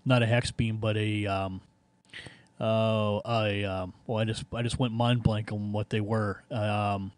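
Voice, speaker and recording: Male amateur radio operator, casual and halting conversational delivery, very dry recording. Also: fairly low pitch, little pitch movement, dry recording. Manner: halting, searching for words. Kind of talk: casual ham radio contact chat.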